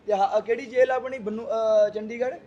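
Agitated high-voiced man in street interview. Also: fairly even intonation, fairly quick, mellow, dull audio. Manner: agitated, switches between Punjabi and English, speaks in short bursts. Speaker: advocate.

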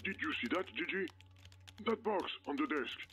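A man's voice: on the high side, animated, a little slow, fairly bright tone, faint music behind. An actor voicing a furtive, anxious talking program in a video game, as a male character.

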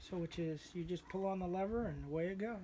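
A man's voice: high voice, fast talker, mellow, a little hiss or hum. Plain-spoken man explaining his mill. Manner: hesitant, plain-spoken, many fillers. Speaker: sawmill owner. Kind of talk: casual explanation. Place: outdoor sawmill.

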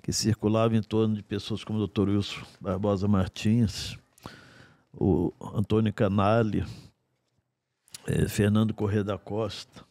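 A man in his sixties, a guest in a podcast studio, telling stories from his life in an unhurried, wry way with dry asides. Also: on the low side, level tone, dark tone, no echo. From Brazil. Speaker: guest singer-songwriter. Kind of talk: storytelling in a podcast interview. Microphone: studio mic on a stand.

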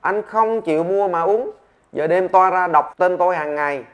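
A man voicing a stern male doctor who scolds a patient in brisk, exasperated bursts. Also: fairly high pitch, close to an everyday voice.

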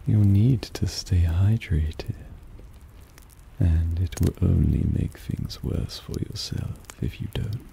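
A man's voice: low-pitched, creaky, dark tone, full character voice. A man voicing a suave, possessive vampire who teases and dotes on his pet in an ASMR roleplay, purring with condescending affection. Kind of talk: ASMR roleplay addressed to the listener. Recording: rain ambience noise behind voice. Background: rain.

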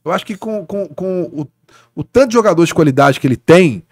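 A Brazilian sports journalist, guesting on a casual podcast, tells stories animatedly and keeps tagging sentences with "né, cara" and other little asides. His voice is high and fairly quick, recorded dry in studio quality.

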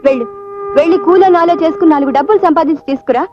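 An actress plays a devoted young fiancée who urges him on earnestly in a very high voice and speaks very quickly. Loud music plays behind her on a dull film soundtrack. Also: natural voice. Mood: urging. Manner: earnest, urging. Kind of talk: film drama acting.

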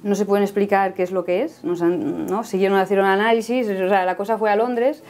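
Speaking briskly with a steady, darkish tone in a mid-range voice, a guest in her thirties earnestly recounts her faith story. She frequently tags her phrases with a questioning "no?".

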